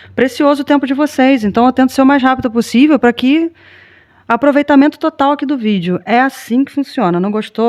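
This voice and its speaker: Lively intonation marks this woman's high-pitched voice, delivered with a Brazilian accent. The recording is dry and close with no echo. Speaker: tarot reader. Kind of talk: tarot reading video. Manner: fast; casual, animated.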